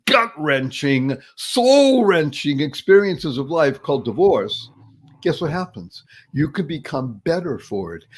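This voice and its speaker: A man hosting an online talk show in a showy, upbeat style, stringing together alliterative praise. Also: a little high.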